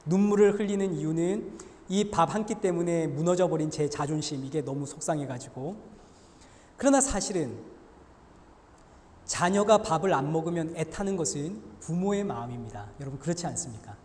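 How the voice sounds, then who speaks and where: A male pastor preaching a sermon in an animated way, swelling with force as he acts out the voices he quotes. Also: fairly high pitch, normal speed. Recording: echoey church hall reverb.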